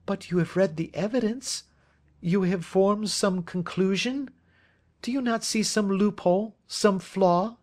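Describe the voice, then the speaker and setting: A man's voice: sits high, a little slow, a little mellow, pitched above the performer's own voice. A man reading aloud as an earnest young woman who urgently pleads for a friend. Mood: imploring. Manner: urgent, imploring.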